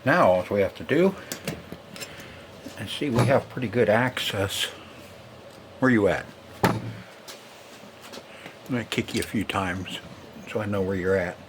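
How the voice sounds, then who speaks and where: A man with a fairly low voice talks casually through hands-on repair work. He mutters to himself in a plain, folksy way as he goes. The recording is clearly noisy, like an unpolished home video. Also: expressive, measured pace, pauses often.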